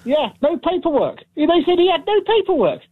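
High-voiced man on a tinny phone line. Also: sing-song, normal speed. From Gloucestershire, England. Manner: earnest, repeats himself, anxious. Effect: phone line heard over a radio broadcast. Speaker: caller. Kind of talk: phone-in radio call.

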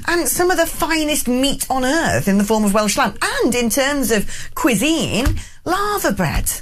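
A woman's voice: sits high, very animated, a little slow, a little hiss or hum. Chatty British woman radio host. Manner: enthusiastic, chatty, laughs easily. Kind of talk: casual chat reading listener messages.

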